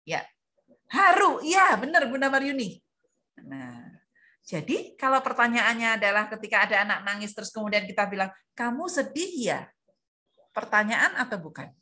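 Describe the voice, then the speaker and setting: A woman's voice: on the high side, lively intonation, normal speed, sharp tone. A woman presenting an online workshop for preschool teachers over a video call, quizzing her audience and calling on participants by name. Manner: questioning, drills the audience, calls out participants by name.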